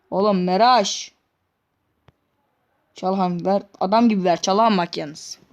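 A woman reacting live as she plays a football video game, scolding and exasperated with the players. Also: medium pitch. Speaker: gamer.

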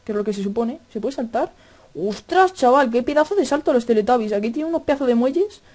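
A male gaming YouTuber with a Spain Spanish accent, doing excitable horror let's-play commentary at a desk microphone, swearing often and yelling at scares. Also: very high-pitched, racing. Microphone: desk microphone at a computer.

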